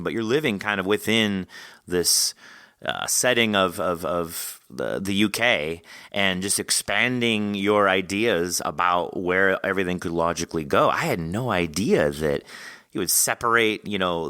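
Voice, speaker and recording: A man's voice: low-pitched, pushed and bright, no room sound, studio quality. A man hosting a casual interview, reflecting informally on what the guest says and rephrasing as he goes. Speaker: podcast host interviewing an author.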